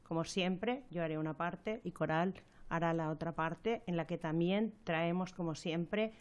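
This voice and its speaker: Mujer de voz grave que explica con calma. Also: female voice, lowish voice, dull audio. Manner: measured and explanatory, with frequent fillers and restarts. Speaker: health professional collaborating on a radio segment. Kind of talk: explaining a topic on radio.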